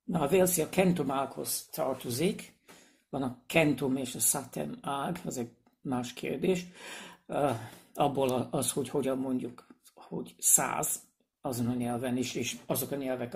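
A man giving a casual explanatory video lesson, speaking hesitantly with pauses, fillers and restarts. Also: medium pitch, vocal fry, a little mellow. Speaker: language presenter.

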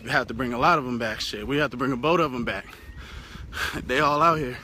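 A man's voice: medium pitch, a little fast, bright, forceful tone, a little hiss or hum. A young American man with an African American English accent, chatting loosely on a phone at arm's length while cycling on an outdoor road, swearing casually. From United States. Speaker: vlogger. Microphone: phone held at arm's length. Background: passing cars.

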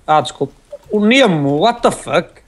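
A man's voice: on the high side, sing-song, measured pace. A young man, chatting and joking with his friend while they play a game together. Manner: joking, teasing. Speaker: co-player. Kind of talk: casual gaming chat.

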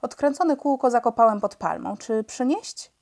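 A woman's voice: on the high side, lively intonation, moderate pace, darkish tone, pitched above the performer's own voice. A woman doing a sly disguised soldier. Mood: hushed.

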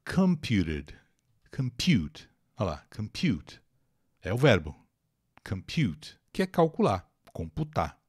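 Animated Brazilian man teaching English. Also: lowish voice, slow, slightly rough. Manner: reads English text, then translates and explains pronunciation; chatty, addresses viewers directly. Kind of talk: live online English lesson.

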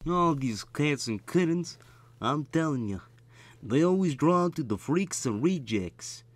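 A man's voice: a little high, expressive, a little slow, no echo. A man voicing a jaded, cynical cartoon cat with a whispery voice. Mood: weary cynicism.

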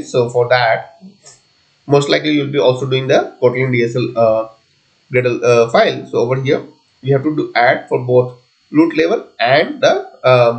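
Creaky-voiced man giving a coding walkthrough. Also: medium pitch, rough recording. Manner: halting, thinking aloud step by step. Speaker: software tutorial presenter. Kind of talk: unscripted screencast coding tutorial.

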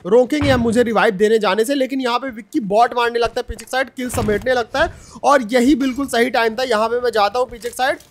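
High-pitched excited young man narrating gameplay. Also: fast talker, soft background music. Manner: excited, chatty, addresses viewers as bhai. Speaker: gaming YouTuber. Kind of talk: gameplay commentary voice-over.

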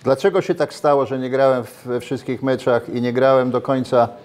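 An older Polish man, a former footballer, speaks at medium pitch and a brisk pace in a casual interview. He talks animatedly, gesturing and restarting often, and is recorded on a lapel mic inside a brick-walled restaurant.

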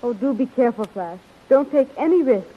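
Worried young heroine in old radio serial, really high breathy voice, dull recording. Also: female voice, lively intonation, fairly quick. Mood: anxious. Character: anxious, devoted young heroine, plucky and tender. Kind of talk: 1930s radio adventure acting. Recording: muffled 1930s radio recording.

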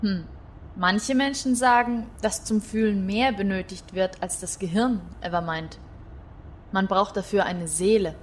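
A woman's voice: mid-range voice, unhurried, lightly acted. Woman playing a thoughtful psychologist, ambient noise behind. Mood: doubtful, reflective. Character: calm, thoughtful female psychologist. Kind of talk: science fiction audio drama acting.

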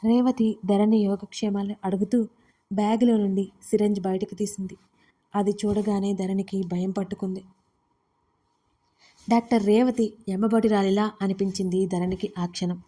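A woman storyteller reading a romance audio story in a steady, even manner. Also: mid-range voice, moderate pace.

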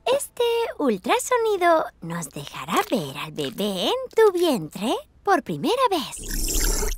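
Very high-voiced, caring cartoon girl vet. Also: wildly swooping pitch, slow pace, a little hiss or hum, heavily acted. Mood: reassuring. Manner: reassuring, clear explaining. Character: caring, cheerful young girl animal vet. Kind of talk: children's cartoon dub. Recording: music bed behind voice. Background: children's music.

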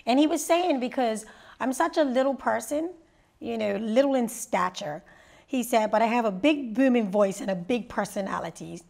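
A woman in her thirties from Bermuda, a radio personality and mentor, telling her story in a sit-down interview with lively, rising energy. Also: normal speed, creaky. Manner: lively storyteller, rises high when excited. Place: living room set indoors.

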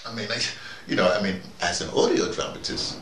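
A man's voice: deep voice, fairly quick, vocal fry, fairly bright tone. An older man delivers a rambling, folksy, preachy monologue, repeating phrases for emphasis. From United States. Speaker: vlogger, audio dramatist. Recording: roomy, distant mic, faint background noise.

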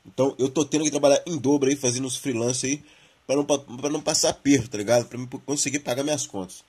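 Brazilian male gaming host, informal and slangy, mid-pitched, husky from flu and a sore throat. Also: fairly even intonation, fast talker, a little mellow. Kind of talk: casual gaming news commentary, reading and commenting on an article.

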